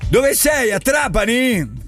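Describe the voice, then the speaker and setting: A man hosting radio in casual banter, teasing and excitable, often repeating his words. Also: extremely high pitch, takes it slowly, faint music behind. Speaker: radio host.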